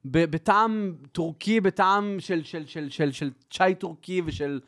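A young man chatting as a podcast guest, telling lively stories and laughing often. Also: high voice. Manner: lively storyteller, laughs often, switches into Spanish phrases. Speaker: podcast guest, content creator. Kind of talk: casual chat.

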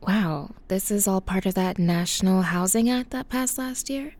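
Halting worried mom, actress, dry close sound. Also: female voice, mid-range voice, darkish tone, no echo, lightly acted. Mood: hesitant. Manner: hesitant, halting, unsure. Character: struggling hesitant adult mother behind on rent. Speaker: caller.

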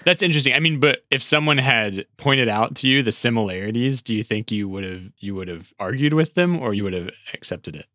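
A man's voice: medium pitch, animated, brisk, hardly any pauses, sharp tone, dry recording, clean studio sound. A man co-hosting a podcast, asking questions casually and laughing often. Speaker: podcast co-host. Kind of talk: casual interview.

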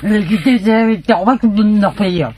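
A woman's voice: mid-range voice, takes it slowly, noisy background, natural voice. Woman playing a feisty Argentine wife. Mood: indignant. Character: feisty, exasperated young wife defending God and respect. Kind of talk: radio drama acting.

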